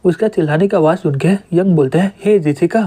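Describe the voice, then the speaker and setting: Mellow-voiced man narrating a manga recap. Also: on the high side, fast talker, breathy edge. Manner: plain, even retelling that voices every character himself.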